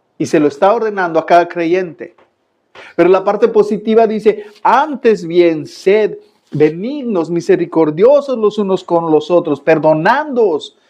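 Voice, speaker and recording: A high-pitched male voice with a dark, mellow tone and lively intonation, at a fairly slow pace. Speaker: Sunday school teacher. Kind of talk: Bible teaching.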